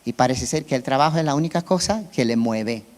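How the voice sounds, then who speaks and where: A man's voice: mid-range voice, a little fast, darkish tone. Man preaching in a reverberant church. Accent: Brazilian Portuguese. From Brazil. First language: Portuguese. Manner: conversational, often checks with listeners. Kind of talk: sermon.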